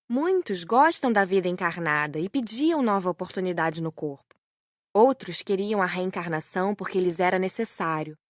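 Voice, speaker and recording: A woman's voice: medium pitch, no echo, clean studio sound. A woman reading scripted first-person narration as an audiobook narrator.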